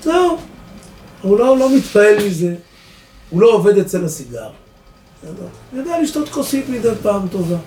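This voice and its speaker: A man, a rabbi giving a lively Torah lesson to a live audience, asking rhetorical questions and swinging between loud and soft. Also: sits high, pauses often. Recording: echoey room, distant mic, faint noise.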